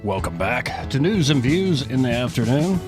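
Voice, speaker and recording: A man's voice: medium pitch, sing-song, normal speed, over music. A man hosting a talk radio show, joking and laughing easily. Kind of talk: casual talk radio banter.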